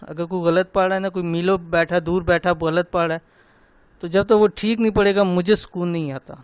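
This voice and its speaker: Man teaching Quran recitation, slow and clear. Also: high voice, steady tone, dry recording. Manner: slow, drawn-out demonstration of syllables, then gentle personal talk. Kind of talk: online tajweed lesson.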